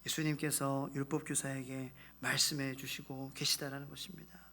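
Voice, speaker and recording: A man's voice: sits high, fairly quick, pushed and bright. A male pastor delivering a sermon with emphatic, repetitive preaching and acted quotes. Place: church sanctuary. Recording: long church hall reverb.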